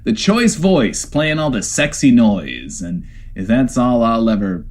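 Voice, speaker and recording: An actor playing a neurotic, self-doubting radio host in a post-apocalyptic comedy audio drama, rambling and stammering theatrically. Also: male voice, mid-range voice, very animated, measured pace, a little mellow. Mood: wavering bravado. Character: neurotic, self-doubting male bunker-dwelling radio host, putting on bravado. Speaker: radio show host character.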